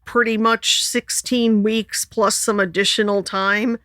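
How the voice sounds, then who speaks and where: Woman, podcast co-host, chatty, laughs a lot, bright voice, dry close sound. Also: little pitch movement, a little slow, no echo. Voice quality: sings alto and high tenor. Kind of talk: casual chat.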